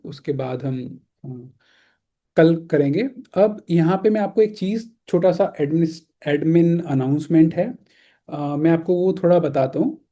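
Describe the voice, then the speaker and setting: Mellow young man teaching a class by video call. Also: fairly high pitch. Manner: conversational, mixes English words, asks "है ना?". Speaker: teacher leading an online scripture class. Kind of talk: casual explanatory teaching.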